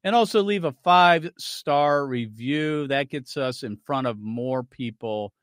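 A man's voice: medium pitch, unhurried, a bit bright, no echo, studio quality. A man hosting a radio talk show, giving opinionated, argumentative commentary and cueing clips to play.

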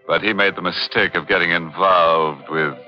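Ghoulish, very deep-voiced radio horror host played by a man. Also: steady tone, natural voice. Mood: mock-sinister. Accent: American. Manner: sardonic, punning, drawn-out sinister delivery. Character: ghoulish, gleeful male horror show host. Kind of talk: 1940s radio horror hosting. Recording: dull old radio recording, organ music behind.

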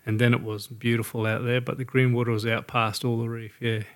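A man's voice: medium pitch, little pitch movement, brisk. A man with a Queensland Australian accent chatting casually in a laconic, blokey way, with hesitant phrasing. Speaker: recreational boat fisherman. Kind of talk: casual banter about fishing.

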